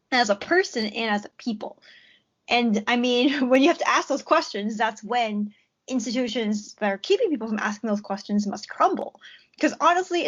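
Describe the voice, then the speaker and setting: High-voiced, animated woman on a call. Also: dull audio. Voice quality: high-pitched voice. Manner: animated and giggly, quick bursts of speech. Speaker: podcast guest, journalist and tarot reader. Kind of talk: casual chat over a call. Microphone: remote call audio.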